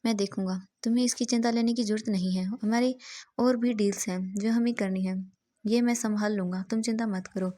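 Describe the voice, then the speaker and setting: A calm young man takes charge and reassures, as a woman reads him out. The voice is mellow and a little high, barely shifted from plain narration. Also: brisk, natural voice. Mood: reassuring.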